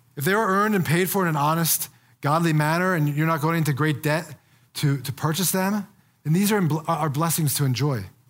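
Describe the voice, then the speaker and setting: Amid audible room echo, a man with an American accent talks at a fairly quick pace with a fairly high pitch and very even loudness. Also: ordinary pitch variation. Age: 40s. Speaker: church elder preaching. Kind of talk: sermon. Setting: church with congregation. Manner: hesitant, frequent fillers and repetitions.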